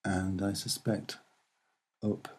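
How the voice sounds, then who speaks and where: A soft-spoken man presents an unscripted visual commentary in a dark, husky voice. He moves very slowly and haltingly, pausing often as he searches for the next phrase. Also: deep voice, little pitch movement. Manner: hesitant, halting, with many pauses. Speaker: amateur video presenter.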